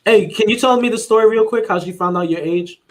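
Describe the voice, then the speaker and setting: A man's voice: high-pitched, fast. A man co-hosting a casual podcast over a video call, teasing a guest with repeated questions. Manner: teasing, keeps pressing questions. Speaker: podcast co-host.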